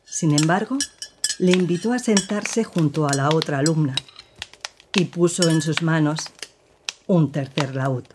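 An actress playing a woman who gravely recounts her partner's past in an audio drama, with measured, serious storytelling. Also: sits low, noisy background.

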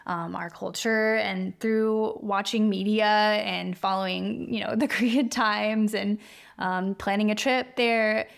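A woman's voice: medium pitch, steady tone, slow, gravelly, clean tone. Young woman hosting a podcast, earnest and reflective, lots of likes and ums. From Kentucky, United States. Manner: earnest, reflective, uses many fillers. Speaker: podcast host. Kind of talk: casual conversation.

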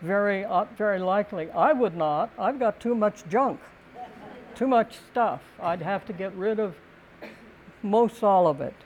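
An older woman giving a prepared talk in a calm, gentle, deliberate way, with thoughtful pauses between phrases. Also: medium pitch, dull audio, a little hiss or hum. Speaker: speaker giving a talk on community and housing.

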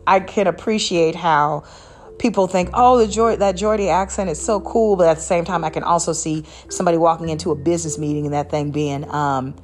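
A woman's voice: lowish voice, a little fast, darkish tone, a little hiss or hum. A woman hosting a casual solo podcast, chatting in a rambling way with many fillers and restarts. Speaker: podcast host.

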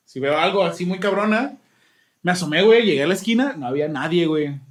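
A man's voice: sits high, animated, fast, roomy sound. A man with a Mexican accent, co-hosting a podcast and telling a rambling story in slangy casual chat, acting out what people said. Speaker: podcast co-host.

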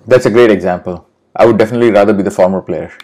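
Fast-talking low-voiced male interviewer. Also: a little mellow. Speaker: interview host.

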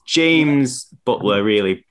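A man's voice: mid-range voice, animated, slow pace, a little hiss or hum. A young man hosting a casual sports podcast over a video call, chatty and rambling, often correcting himself. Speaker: podcast host.

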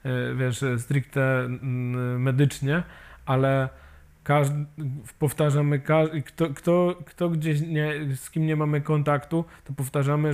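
Halting man, steady mid voice. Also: mid-range voice, clear, resonant tone. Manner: halting, many fillers and restarts, ends with tag questions. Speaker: guest, amputee peer support volunteer. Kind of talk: casual interview talk.

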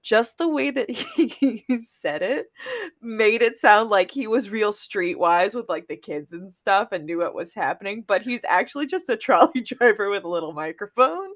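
A woman's voice: mid-range voice, moderate pace, no echo, clean studio sound. A woman co-hosting a casual podcast chat, telling stories with frequent laughter. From New England. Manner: laughing, animated storytelling. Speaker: podcast co-host.

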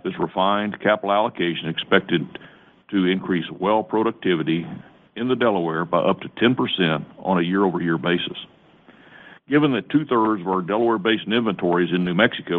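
A man presenting as a company executive on an earnings call, reading a prepared script in a formal, measured way. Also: low voice. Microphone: conference call phone line. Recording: tinny narrow-band phone line.

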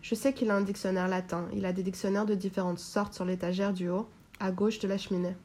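A woman reading a novel aloud in the first person, with a measured, even delivery. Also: medium pitch, a little hiss or hum. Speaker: reader.

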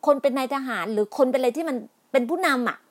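A middle-aged woman with a high voice talks fast through a heated political monologue, alternating between scolding and pleading. She's emphatic, restarts and repeats herself often, and uses polite particles, moving from pleading to indignation.

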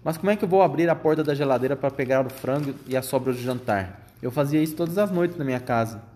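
A man reading aloud and voicing a spoiled, greedy boy who has been turned into a mouse, often shouting indignantly. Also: mid-range voice, fast, slight background noise, natural voice. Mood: grumbling.

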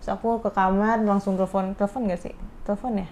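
A woman's voice: medium pitch, little pitch movement, a crowd in the background. Chatty young woman. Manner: chatty, quick, trailing off with fillers. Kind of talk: casual chat.

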